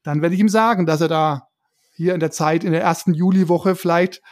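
High-pitched man explaining casually. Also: steady tone, a little fast. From Germany. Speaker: podcast co-host, lawyer. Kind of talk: casual explanatory podcast talk.

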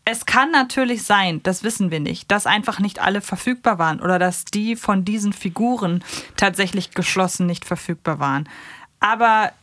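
A woman's voice: mid-range voice, moderate pace, a bit bright. A woman co-hosting a podcast, chatting casually and giving critical review commentary. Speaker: podcast co-host.

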